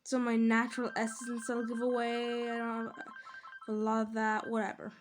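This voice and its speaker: A woman talking casually over her gameplay as a gaming channel host, chatty and rambling, quick to laugh and exclaim. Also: on the high side, completely flat delivery, music in the background.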